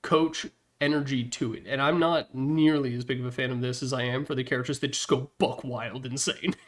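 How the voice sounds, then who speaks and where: A man's voice: mid-range voice, steady tone, brisk. A man giving casual, opinionated video game commentary as a presenter, speaking informally with slangy emphasis. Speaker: presenter ranking game announcer packs.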